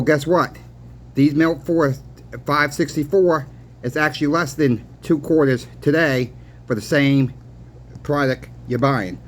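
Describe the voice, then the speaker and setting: A man talking casually to viewers as a plainspoken explainer, repeating his points and posing rhetorical questions. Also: fairly high pitch. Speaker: host of a coin and silver channel. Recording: clearly noisy background.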